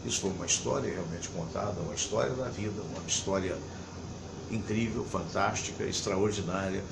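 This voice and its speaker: A man hosting a program, telling a story to his viewers in a halting way, repeating words before he finds them and then building up with emphasis. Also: low-pitched, creaky. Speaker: TV program host. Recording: echoey room with background noise.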